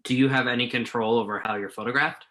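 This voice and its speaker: A man acting in a play reading as a blunt yet apologetic magazine journalist, speaking a little haltingly. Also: medium pitch, fairly even intonation, bright, forceful tone, natural voice. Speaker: actor in a virtual staged reading.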